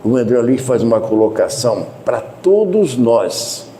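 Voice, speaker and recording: A Brazilian man giving a devotional talk at a spiritist center. He speaks in a loud voice that never softens and chats with the audience through asides and questions. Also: sing-song, unhurried, a little hiss or hum. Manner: loud, unchanging speaking voice that he cannot lower; conversational, addresses listeners with asides and questions. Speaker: spiritist lecturer. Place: spiritist center meeting hall.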